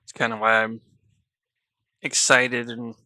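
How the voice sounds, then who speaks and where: A man's voice: medium pitch, flat delivery, slow, sharp tone, dry recording. A man streaming live, casually chatting and coaxing and scolding his pets in a joking way.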